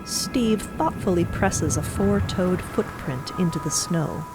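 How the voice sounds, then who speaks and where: A woman's voice: lowish voice, lively intonation, takes it slowly, music in the background. A woman narrating a scripted audio drama in a precise, dryly wry way.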